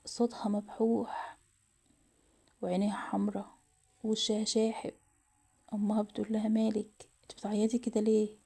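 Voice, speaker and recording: A woman's voice: mid-range voice, gravelly, dark tone, slightly rough. Emotional Egyptian woman storyteller. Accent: Egyptian Arabic. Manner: emotional, often half-whispered. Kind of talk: moralizing story narration.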